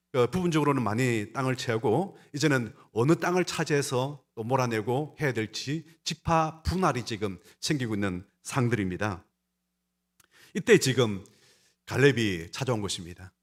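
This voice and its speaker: A male pastor preaches with a mid-pitched voice. His delivery is emphatic and swells and drops as he speaks directly to his congregation. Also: lively intonation, moderate pace. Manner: emphatic, rising and falling delivery. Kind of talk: sermon.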